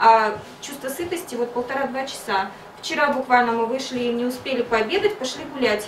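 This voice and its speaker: A woman speaks in a high voice with audible room echo. Light background noise is present. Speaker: balloon shop representative. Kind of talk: casual promotional remarks. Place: office. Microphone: camera far.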